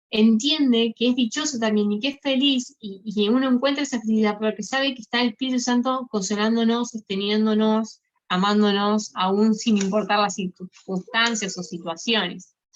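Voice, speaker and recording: Speaking at a moderate pace with hardly any pauses, a woman with a fairly high, somewhat breathy voice shows ordinary pitch variation. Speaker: youth group preacher. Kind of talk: sermon.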